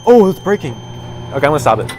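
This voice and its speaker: A man's voice: on the high side, big pitch swings, fast talker, a little mellow, slight background noise. A young man doing casual, goofy commentary, rambling and easily startled. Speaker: youtuber.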